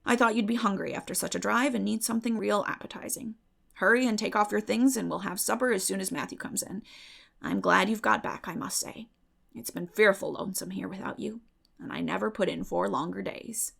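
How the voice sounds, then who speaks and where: A woman's voice: medium pitch, a little fast, gravelly, a bit bright. A woman voicing a stern but fond, practical middle-aged farm woman in a storybook, plain and restrained. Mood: restrained affection.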